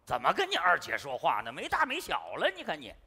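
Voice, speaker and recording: An actor playing a boastful, cheeky son-in-law who teases his in-laws in loud exclamations. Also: fairly high pitch, wildly swooping pitch, fast talker, breathy edge, full character voice. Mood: teasing. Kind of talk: sitcom acting before a live audience. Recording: roomy stage with loud audience laughter.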